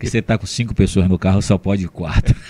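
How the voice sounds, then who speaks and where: Speech comes at a fairly quick pace with noticeable background noise. The sound is dry and close, with no echo. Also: man. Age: 60s. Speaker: local politician and former radio owner. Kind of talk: casual interview.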